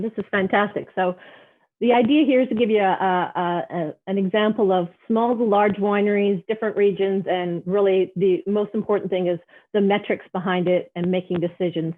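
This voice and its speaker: A woman moderating an online panel of wine business guests, introducing each one in a friendly way. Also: medium pitch. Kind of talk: hosting a webinar. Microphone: video call. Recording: tinny phone-like audio.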